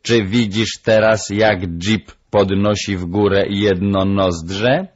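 A shrill, self-assured parrot hen lecturing her master, pitched well above the reader's own deep, slow voice, as a man puts her on. She preaches with pride and insistence in a storybook reading, and the recording sounds dull and lo-fi. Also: steady tone, breathy edge, faint music behind. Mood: proud, lecturing. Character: proud lecturing female parrot.

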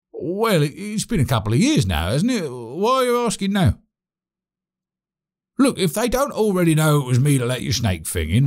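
An actor playing a chatty, cagey British servant in an audio drama, speaking in a halting, colloquial, animated way. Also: male voice, mid-range voice, close to an everyday voice. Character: chatty, cagey servant man, obsequious yet scheming. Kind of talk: audio drama monologue and dialogue.

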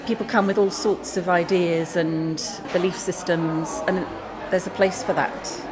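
A woman's voice: lowish voice, fairly even intonation, a little slow, a crowd in the background, rough recording. A woman in her forties talking earnestly and conversationally about joining a church community. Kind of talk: casual testimonial. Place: church hall.

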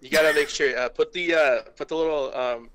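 A man's voice: fairly high pitch, fairly quick, a bit bright. A man making casual, joking asides during an amateur comic reading.

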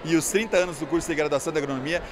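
A Brazilian man, a university director, talks quickly in a news interview. A crowd murmurs behind him in the hall. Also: a little high. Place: indoor event hall. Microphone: handheld reporter microphone.

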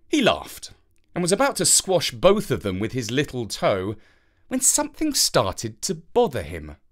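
A woman narrating a children's fairytale as an expressive storyteller. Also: very deep voice.

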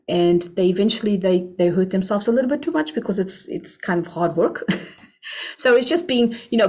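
A woman's voice: mid-range voice, darkish tone. Portuguese-accented woman explaining, dull webinar audio. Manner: often checks in with "right?". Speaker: physiotherapist presenting a webinar. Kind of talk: informal explanatory webinar talk. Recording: dull, lo-fi web call audio.

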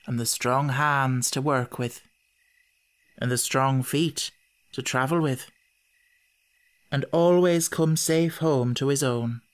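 A kindly older gypsy woman from a storybook speaks in a soft, rustic dialect, as the reader puts her on. The voice sits a little higher than the narration. Her delivery is gentle and wistful, like a blessing. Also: natural voice.

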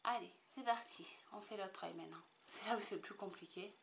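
A woman's voice: medium pitch, brisk, gravelly, fairly bright tone, slight background noise. A woman chatting casually to the camera in a makeup tutorial, rambling with lots of fillers and restarts. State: tickly throat. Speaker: makeup vlogger.

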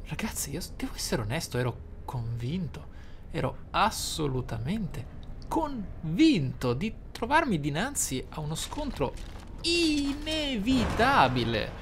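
A man's voice: high-pitched, sing-song, unhurried, a little hiss or hum. A man giving playthrough commentary on a roleplaying game, musing aloud in an emphatic way. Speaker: gameplay host. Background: game music behind the voice.

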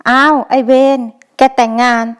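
A woman voicing a gruff, menacing ex-convict brother. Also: normal speed, close to an everyday voice. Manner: blunt, coarse and menacing. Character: gruff older brother, just out of prison. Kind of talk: audiobook character voice.

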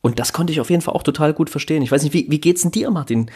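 A man's voice: on the high side, rapid-fire, a little mellow, slightly rough. A man hosting a casual podcast, talking in his native German in a reflective, rambling way with restarts and fillers. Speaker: podcast host.

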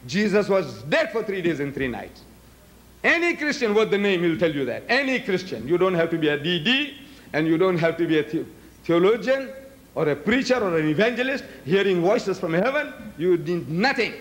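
This older man, a Gujarati first-language speaker, debates publicly from a podium in a big hall, arguing forcefully and peppering listeners with rhetorical questions. His high-pitched, somewhat bright voice swings widely in pitch at a normal speed, captured by podium mics.

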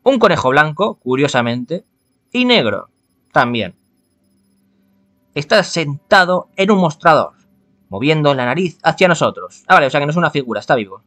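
Animated man from reading a game. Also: on the high side, normal speed, pauses often. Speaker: gaming streamer. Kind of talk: reading a visual novel aloud with casual commentary.

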